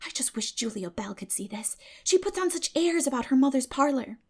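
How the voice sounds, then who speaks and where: Woman as a hushed, awestruck whispering girl. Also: high-pitched, sing-song, fairly quick, husky, full character voice. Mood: awed, envious. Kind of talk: dramatic audiobook character reading.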